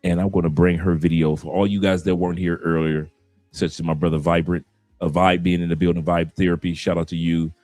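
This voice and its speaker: A man's voice: low voice, level tone, brisk, darkish tone, dry recording, faint music behind. A man hosting a livestream, chatting casually and addressing his viewers and co-host. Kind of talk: casual livestream chat with shout-outs.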